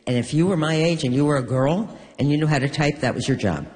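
An older woman from New York, a guest in an onstage conversation, telling stories with wry, deadpan humor. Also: sits low, fast talker. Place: stage in a hall. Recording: long reverb of a large hall.

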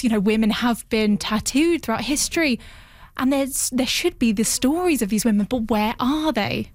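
High-voiced woman interpreting an interview. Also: dry recording. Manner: measured, with pauses and restarts. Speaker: sign language interpreter voicing a guest. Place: radio studio.

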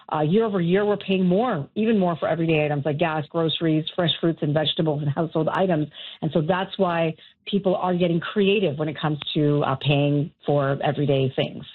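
A woman who writes a personal finance column gives steady, explanatory advice in a radio interview over a landline phone. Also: low voice, slight background noise. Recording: tinny phone line.

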